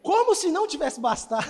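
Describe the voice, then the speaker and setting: High-voiced pastor preaching in a hall. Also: male voice, normal speed. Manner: animated storytelling, preaching emphatically. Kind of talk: sermon with testimony. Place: church hall. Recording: church hall reverb.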